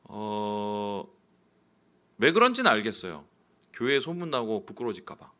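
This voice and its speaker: A male pastor preaching a sermon, telling a personal story candidly and swinging suddenly between loud and quiet. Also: on the low side, sing-song, normal speed.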